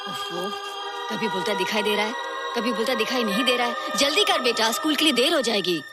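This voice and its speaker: Actress as a brisk, motherly woman, a bit high, heavy score underneath. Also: natural voice. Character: caring mother hurrying her son. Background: loud film music.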